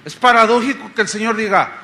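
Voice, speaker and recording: A middle-aged Mexican pastor preaching a sermon in a conversational style, often asking the congregation rhetorical questions. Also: male voice, high-pitched, fairly even intonation, fast talker, bright, forceful tone. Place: church congress hall.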